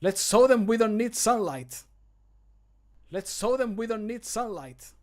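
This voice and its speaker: Man voicing an eager, high-voiced game adventurer. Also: expressive, a little slow, darkish tone. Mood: eager, alert. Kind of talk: short video game battle voice lines. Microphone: close desk microphone.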